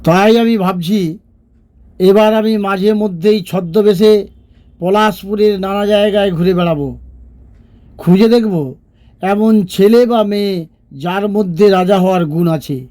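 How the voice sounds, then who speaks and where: A man acts out a fair-minded storybook king in a cartoon. His voice sits quite high for a male, yet it is soft and warm. He reasons things through with measured, thoughtful care. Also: fairly even intonation, lightly acted. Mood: thoughtful, resolved.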